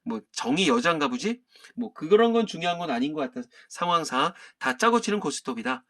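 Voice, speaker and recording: A man teaching literature who reads through a play and stops to explain it in a loose, conversational way. He keeps firing rhetorical questions at his students. His voice sits a bit high for a man, and his pitch rises and falls a lot. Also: very animated, fairly quick, vocal fry, fairly bright tone. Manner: casual, talks straight to students with rhetorical questions. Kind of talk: lesson reading and explaining a play.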